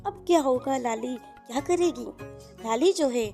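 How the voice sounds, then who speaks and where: A woman's voice: sits high, measured pace, dark tone, soft background music. A woman narrating a children's moral story in an informal, explanatory way.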